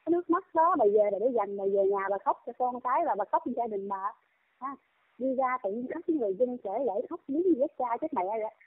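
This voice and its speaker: A middle-aged woman with a Southern Vietnamese accent scolds and complains in a long phone monologue. Her voice sits a bit high. The sound is tinny and dry, like a phone line. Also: lively intonation, brisk, no echo. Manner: scolding, indignant.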